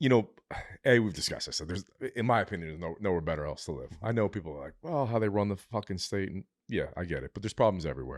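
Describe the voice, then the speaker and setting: Very fast and lively, a man talks at a fairly low pitch, his loudness swinging widely. The recording is very clean and dry, close with no echo over a silent background. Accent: New York. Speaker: fitness coach and podcast guest. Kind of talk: casual chat.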